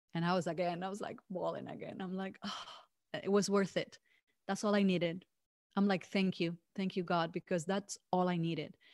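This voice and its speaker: A woman with a Spanish accent at a medium pitch, monotone and flat in intonation, at a moderate pace, in a dry, close sound with no echo. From Argentina. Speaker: energy healer and translator. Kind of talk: interview. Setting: video call.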